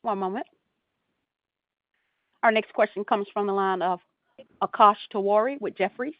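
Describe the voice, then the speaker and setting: A woman's voice: mid-range voice, normal speed, no echo. A woman working as a conference call operator, making formulaic scripted announcements. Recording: dry, narrow phone line.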